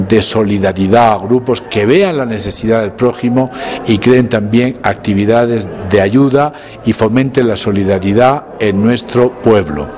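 A man's voice: medium pitch, darkish tone. A man in his fifties, a priest, giving an earnest, emphatic spoken summary of a talk into a handheld recorder, sometimes restarting his phrases. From Bolivia. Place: indoors, before a painted mural. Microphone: handheld recorder held close.

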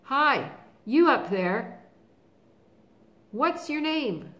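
A woman's voice: medium pitch, sing-song, unhurried, darkish tone. A woman voicing a noble male lion king who gives bold, commanding calls.

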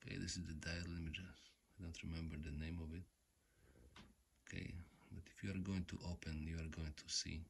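Halting man explaining a repair. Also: low voice, level tone, vocal fry, slight background noise. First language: not English. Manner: halting, repetitive, often saying okay. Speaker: repair tutorial host. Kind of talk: unscripted hands-on repair explanation. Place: indoors at home.

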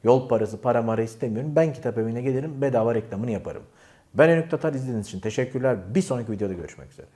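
A man talks straight to camera in an animated, teasing way, handing out self-improvement advice. His pitch swings widely as he acts out little examples. His tone is mellow and dark. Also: racing.

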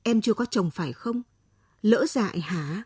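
A woman reading a story aloud, voicing a brisk, nosy middle-aged female doctor with an offhand manner. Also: medium pitch, expressive, a little mellow, husky, dry recording, studio quality. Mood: brisk, mocking.

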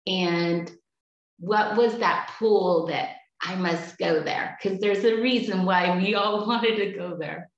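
Slow-spoken woman on an echoey call. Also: lowish voice. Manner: slow, searching, with many ums and restarts. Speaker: interviewer and astrology life coach. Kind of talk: online video call interview. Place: room at home, indoors. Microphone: video call. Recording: echoey, slightly dull video call audio.

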